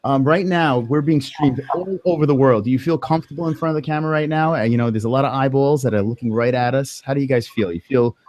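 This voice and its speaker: A man's voice: medium pitch, quick pace, hardly any pauses, a little mellow, no room sound. A man with a New York accent hosting a casual livestream interview, joking and laughing often. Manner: joking, laughs often, stumbles over words. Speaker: host.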